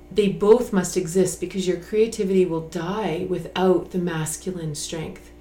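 A woman's medium-pitched voice at a moderate pace, fairly even intonation, noticeable background noise. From Canada, Toronto. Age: 50s. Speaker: tantra teacher. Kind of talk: casual chat.

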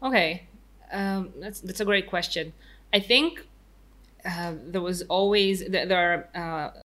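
A woman with an Israeli accent, very slow, with long and frequent pauses, a bright, sharp tone, medium pitch, fairly even intonation, and a very clean recording over a silent background. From Tel Aviv, Israel. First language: Hebrew. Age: 30s. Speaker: tour guide and speaker. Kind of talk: casual interview chat. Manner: halting, with frequent hesitations.

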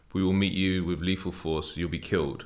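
A man with a British accent and a very deep, low pitch. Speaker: investigative journalist and interviewer. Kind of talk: panel interview. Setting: studio.

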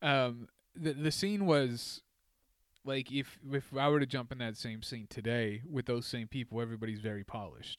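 A man with an American accent talks in an unremarkable speaking voice at a moderate pace, medium in pitch with ordinary pitch variation. The recording is very clean, the background silent. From Bakersfield, California. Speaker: stand-up comedian. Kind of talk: casual chat.

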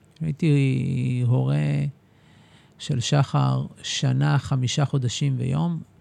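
Speaking at a medium pitch, a man moves through very wide pitch swings in a dark, mellow tone. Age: 40s. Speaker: podcast host and body psychotherapist. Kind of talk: casual chat. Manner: halting.

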